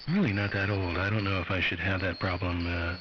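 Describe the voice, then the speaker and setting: An older retired man chats loosely on the air in a slightly low voice and teases himself about his age. The sound is muffled shortwave with a clear bed of static. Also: quick pace. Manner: relaxed, rambling, self-deprecating. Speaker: ham radio operator. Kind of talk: casual radio chat. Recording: dull shortwave radio with static.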